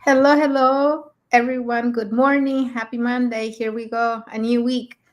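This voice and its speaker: A woman's voice: on the high side, flat delivery. Cheerful woman co-host from Mexico. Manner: cheerful, brisk, rattles off names. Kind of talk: online talk show.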